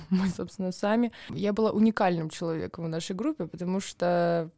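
A young woman from Siberia, co-hosting a podcast and telling stories about her student years in a casual, animated way. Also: fairly low pitch, brisk, no echo. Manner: animated storytelling with playful impressions and laughter. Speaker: podcast co-host. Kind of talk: casual chat.

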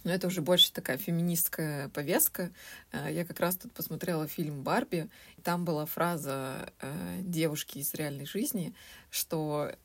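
A woman's voice: low-pitched, moderate pace, a bit bright, breathy edge. A young woman in her late twenties co-hosting a podcast, chatting casually and retelling stories with little acted quotes. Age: 20s. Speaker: podcast co-host.

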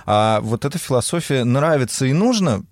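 A man chimes in with keen approval in a casual conversation. His voice is mid-pitched and recorded dry and close, with no room sound. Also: expressive, moderate pace, no echo. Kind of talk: casual chat.

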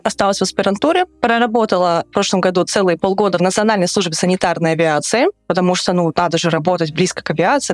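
A woman in her twenties from Russia, talking casually and at length as an interview guest, an animated storyteller in a recording studio. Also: mid-range voice, no room sound. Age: 20s. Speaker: interview guest, travel writer and swimming coach.

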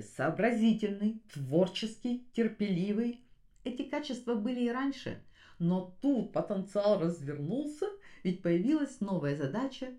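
A woman's voice: mid-range voice, a little mellow, roomy sound. A woman giving motivational commentary as a podcast host, speaking earnestly and emphatically and addressing her listeners directly.

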